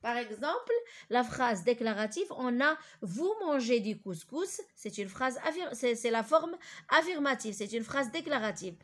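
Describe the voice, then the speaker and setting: A woman teacher giving a grammar lesson to pupils, hesitant with many fillers and restarts, slowly repeating key terms. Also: fairly high pitch, expressive.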